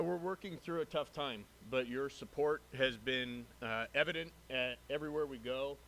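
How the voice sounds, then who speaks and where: A man speaking as a police captain, giving earnest, measured formal remarks at a public meeting. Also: medium pitch, sharp tone, rough recording. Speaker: police captain introducing a new lieutenant. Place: city council chamber. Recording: noticeable background noise, room ambience.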